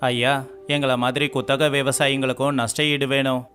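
A man voicing every male figure in a cartoon village story, in an even, scripted delivery. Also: medium pitch, normal speed. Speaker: voice actor for all male figures. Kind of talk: scripted dialogue of an animated moral story. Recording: faint music underneath.

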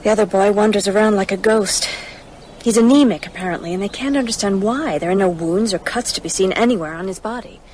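A woman playing a friendly young small-town woman in a radio drama. She is concerned, with a mid-pitched voice over some background ambience. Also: fast talker, a little mellow, slight background noise, lightly acted.

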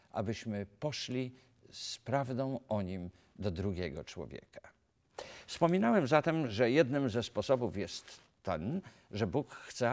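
A middle-aged male pastor from Poland preaches straight to the camera, asking questions and answering them himself. His voice rises and falls with a very lively, sing-song intonation at a moderate middle pitch. He is recorded close on a lapel mic in a quiet studio. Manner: earnest, animated preaching with rhetorical questions and gestures. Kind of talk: filmed sermon talk to camera. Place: dark studio set, indoors.

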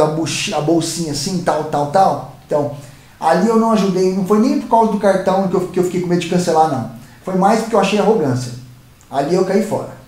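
A Brazilian man hosts his own channel and tells stories in a loose, rambling monologue, often stumbling and repeating himself. His voice sits high for a man. The sound carries a noticeable room echo. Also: a little mellow. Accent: Brazilian Portuguese. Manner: rambling, repeats and restarts words, talks straight to viewers. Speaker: YouTube channel host. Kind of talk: casual storytelling monologue. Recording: roomy echoey sound.

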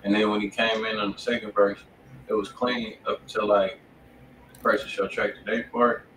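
A man's voice: on the low side, flat delivery, moderate pace. An American man giving casual, slangy and profane music feedback as co-host of a live stream. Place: indoor room, live stream. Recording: roomy, distant mic with noisy background.

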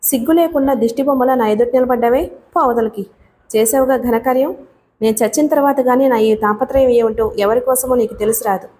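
A woman's voice: on the high side, steady tone, brisk, darkish tone, slight background noise, close to an everyday voice. A woman reading an audiobook voices a stern, worried, ailing older mother who scolds her daughter. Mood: scolding. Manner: scolding, sighing.

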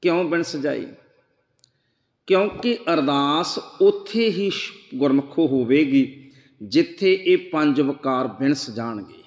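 A man preaching a Sikh scripture sermon, chanting verses slowly and then explaining them earnestly. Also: on the high side, lively intonation, reverberant, in a large hall, highs cut off. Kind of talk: slow devotional sermon.

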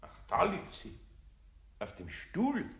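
A man's voice: on the high side, huge pitch swings, takes it slowly, vocal fry, fairly bright tone, a little hiss or hum, exaggerated voice. A man playing a grumbling but good-natured older master carpenter with a Bavarian accent in an audio drama. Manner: muttering to himself, exclaiming.

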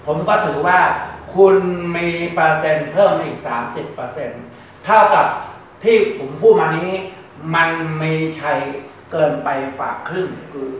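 A man's voice: on the high side, moderate pace, a little hiss or hum. A man giving a casual fortune-telling talk. He explains at length, often repeats words, and reads out long lists of numbers. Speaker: fortune teller. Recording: very echoey room, mic far off.

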